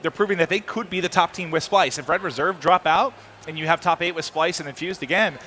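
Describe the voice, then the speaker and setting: A man talking very quickly in a bright, forward voice, filling downtime between matches. His chat is loose and chatty, and he keeps stopping to correct himself mid-sentence. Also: on the high side, slight background noise. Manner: fast, chatty, self-correcting. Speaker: esports commentator.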